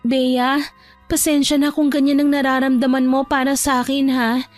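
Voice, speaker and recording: A woman's voice: high-pitched, level tone, normal speed, faint music behind, pitched above the performer's own voice, close to an everyday voice. A woman voicing a sweet, apologetic young cousin in an audio drama, with an innocent, pleading manner.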